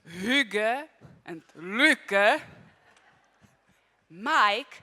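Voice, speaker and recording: Woman, stage host, bright voice, measured welcoming tone, reverberant hall. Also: medium pitch, expressive. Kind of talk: formal event introduction.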